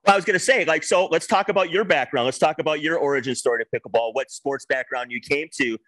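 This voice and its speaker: A man's voice: a little high, a bit bright, no room sound, poor audio. A middle-aged man hosting an interview, upbeat and chatty, speaking into a headset mic from home. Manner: upbeat, quick backchannels and laughs. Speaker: host. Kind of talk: casual interview chat. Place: room at home.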